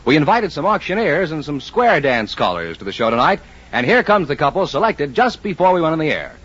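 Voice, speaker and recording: A man's voice: on the high side, sing-song, a little fast, fairly bright tone, breathy edge. A man announcing scores and introducing guests on a radio quiz show, in a formal way. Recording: dull old radio broadcast.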